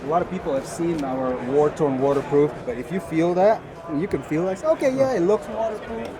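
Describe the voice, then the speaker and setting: A man from Indonesia gives an upbeat, polite product demo at a trade show booth, peppering his pitch with "yes, sir." His voice sits a little high, with loud music playing behind him on the show floor. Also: fairly quick. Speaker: footwear company rep.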